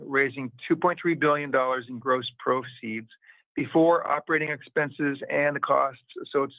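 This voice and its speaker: A man formally reading out a scripted financial report as a company executive, in a measured way. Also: mid-range voice, dry recording. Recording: narrow, tinny phone-line sound.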